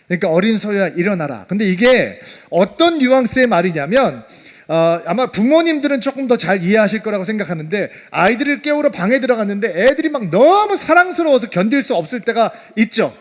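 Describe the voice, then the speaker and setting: A middle-aged male pastor preaching a sermon, swinging from loud emphasis to soft, hushed tones. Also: sits high, big pitch swings, brisk.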